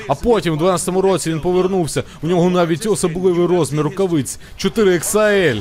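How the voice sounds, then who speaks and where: Loudness stays very even at a moderate pace. Noticeable background noise is audible. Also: man, high pitch for a man, ordinary pitch variation. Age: 20s. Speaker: wrestling podcast host. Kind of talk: casual live watch-along commentary. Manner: animated.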